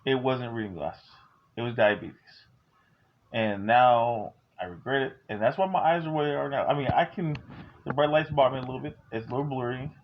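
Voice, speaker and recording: Man, forties, raspy gravel in the voice, joking but earnest, casual home vlog, muffled sound. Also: medium pitch, a little fast, a little hiss or hum. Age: 40s. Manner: candid, joking yet earnest, gives advice. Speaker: vlogger. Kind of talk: casual talk to camera.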